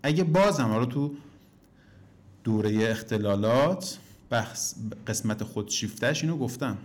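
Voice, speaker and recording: A man teaching a relationship course to his students, talking to them directly, telling anecdotes and pushing his points with big rises and falls in pitch. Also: animated. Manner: emphatic, swings pitch up and down for emphasis; addresses listeners directly as "kids".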